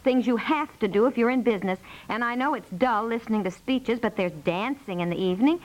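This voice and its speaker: An actress playing an agreeable, wavering American housewife in a 1950s radio comedy, fluttery and hesitant. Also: female voice, on the high side, fairly quick, close to an everyday voice. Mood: coaxing. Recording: muffled 1950s radio broadcast recording.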